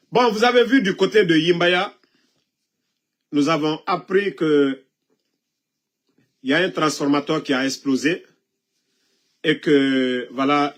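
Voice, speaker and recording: A man giving impassioned political commentary, coughing now and then from a cold, scolding and asking pointed rhetorical questions. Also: fairly high pitch.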